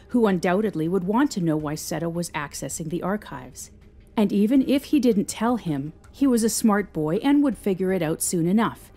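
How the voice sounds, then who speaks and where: A woman's voice: lowish voice, dark tone. A woman narrating a scripted story as the narrator of an audio drama.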